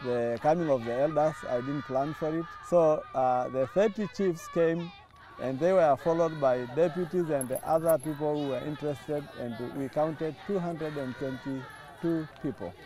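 A middle-aged man from Tanzania, telling his story in an interview, reflective and thoughtful, pausing and restarting often. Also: fairly high pitch, mellow, a little hiss or hum. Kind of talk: testimony interview. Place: outdoors by a lawn. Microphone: lapel mic.

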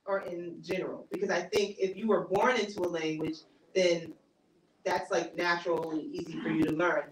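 A woman's voice: on the low side, fairly bright tone, a little hiss or hum. A woman author giving a casual talk and answering audience questions, chatty with lots of fillers and easy laughs. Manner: conversational, laughs easily, many fillers. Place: small bookstore cafe event space. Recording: echoey room, mic far off.

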